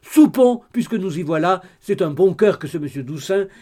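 A man voicing a gossipy, excitable middle-aged mother in an audiobook, chattering in a raised, exclamatory voice. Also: high-pitched, moderate pace, voice pushed up. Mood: gushing. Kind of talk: audiobook character reading.

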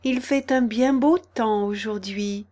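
A woman voicing a timid, nervous male white rabbit in an audiobook, speaking in hushed, anxious whispers. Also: on the high side, measured pace, husky. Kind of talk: audiobook character reading.

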